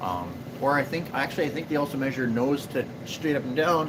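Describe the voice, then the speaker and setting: Through noticeable background noise and audible room echo, a man with an American accent speaks at a very fast pace and medium pitch with ordinary pitch variation. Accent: Canadian-sounding accent, noticed by others. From US Upper Midwest, west central northern Minnesota. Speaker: trapper and livestreamer. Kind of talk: live stream chat answering viewer questions.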